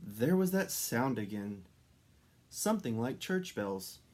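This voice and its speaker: Slow, very animated man reading a storybook. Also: medium pitch. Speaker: storybook reader. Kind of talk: expressive children's read-aloud narration.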